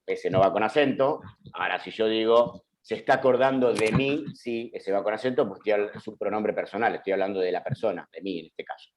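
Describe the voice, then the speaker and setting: A man's voice: fairly low pitch, a little mellow. Man teaching a patient online class. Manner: patient, explanatory, checks in with frequent "¿sí?". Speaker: journalism teacher. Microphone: computer mic on a video call.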